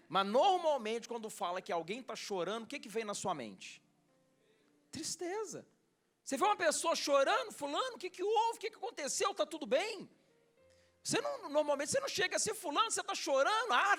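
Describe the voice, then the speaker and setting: A man's voice: high voice, a bit bright. A Brazilian man preaching a sermon to his church, reading scripture and calling out questions to the congregation. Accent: Brazilian Portuguese. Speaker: pastor.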